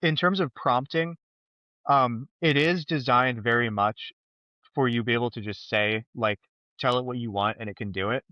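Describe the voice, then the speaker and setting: A man speaking as a podcast guest, a software developer talking in a thoughtful, hesitant way with many pauses and restarts. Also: medium pitch, no echo, lo-fi sound. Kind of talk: casual podcast chat.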